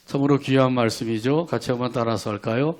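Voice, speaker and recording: Talking fast in a medium-pitched, slightly mellow voice, a pastor delivers a sermon that guides the congregation through call-and-response verse reading. Along the way he throws out rhetorical questions and performs quoted prayers.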